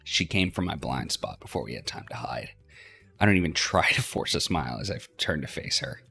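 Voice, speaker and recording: Let's play host: male, very low, expressive range, reading narration with small stumbles over soft music. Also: fairly quick, gravelly. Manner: stumbles over words and repeats lines. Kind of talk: reading game narration aloud.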